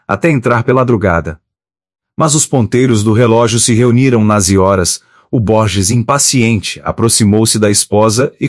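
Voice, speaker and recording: A man narrating a classic story aloud in a measured, unhurried reading. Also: medium pitch, dry recording, studio quality. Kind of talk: audiobook narration.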